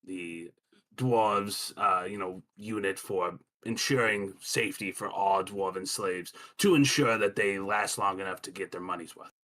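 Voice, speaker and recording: During tabletop role-play, a player voices a brusque, condescending male safety inspector who blusters, talks down to people, and says "um" a lot. His voice sits low and is a bit bright, and he takes his time.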